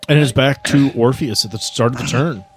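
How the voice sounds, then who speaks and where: A man's voice: mid-range voice, a little fast, slightly rough. A man acting as game master of a tabletop game, improvising scene narration and ruling on moves. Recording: music playing behind the voice.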